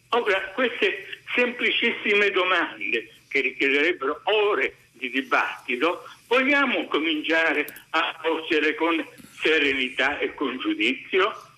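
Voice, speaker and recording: A man talks at a fairly slow pace in a high pitch. His voice has very wide pitch swings. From Pisa, Italy. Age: 70s. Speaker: caller. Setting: phone call.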